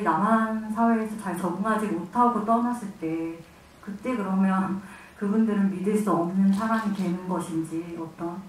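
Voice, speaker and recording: A woman making measured, considered remarks at a press conference. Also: lowish voice. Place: cinema auditorium. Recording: echoey hall, distant mic, faint noise.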